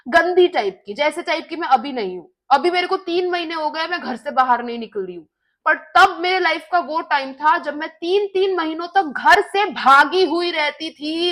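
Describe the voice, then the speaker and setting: High-voiced young woman telling a story. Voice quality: expressive. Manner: mixes English phrases into chatty storytelling. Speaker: vlogger. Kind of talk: casual storytelling.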